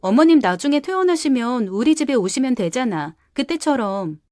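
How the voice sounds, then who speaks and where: A selfish young wife full of scorn, as a woman acts her out, coaxing and sharp by turns. Her voice sits a little high, and the recording is close and dry. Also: sing-song, normal speed, dry recording. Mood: wheedling. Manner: wheedling, then shrill and defensive. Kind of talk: audio drama.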